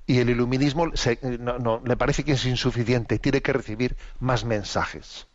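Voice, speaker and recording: The host of a religious commentary program speaks in a measured, teacherly way with fairly even intonation, frequently using short tag questions and rhetorical ones. His voice is at an ordinary middle pitch. The audio is slightly dull and lo-fi, sounding like radio.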